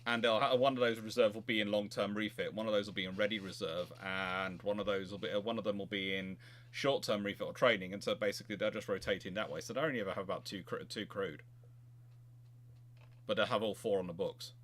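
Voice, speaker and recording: Bright-voiced man, halting and discursive. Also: lowish voice, steady tone. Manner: halting, repeats words and restarts phrases often. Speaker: host of a naval history live chat. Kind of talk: casual technical discussion.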